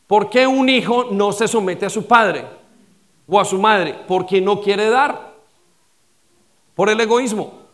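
Preaching in a voice that sits high, this male pastor leans on repetition and rhetorical questions. His delivery alternates between forceful stress and soft, trailing lines.

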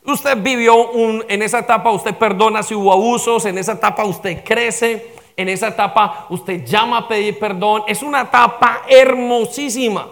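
A pastor preaching a sermon, firing rhetorical questions at the congregation and calling for amens. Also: male voice, high-pitched, fairly even intonation, moderate pace, a bit bright.

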